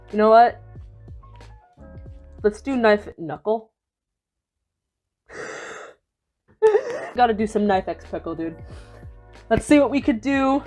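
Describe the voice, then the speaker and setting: A woman's voice: mid-range voice, darkish tone. A young woman giving casual, giggly commentary while reading AI-written fanfiction aloud, swearing and restarting sentences often. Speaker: video creator.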